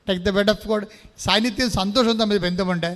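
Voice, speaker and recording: A man's voice: high voice, steady tone, normal speed, fairly bright tone. A man preaching a sermon. He quizzes the congregation and has them repeat scripture after him, and drops English phrases into his talk. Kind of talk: sermon with call-and-response. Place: large church hall. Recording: long hall reverb.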